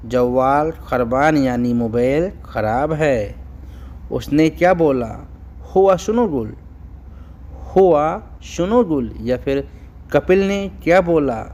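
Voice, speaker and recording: A man teaching phrases in a language lesson, saying each one slowly and repeating it. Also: on the high side, a little mellow.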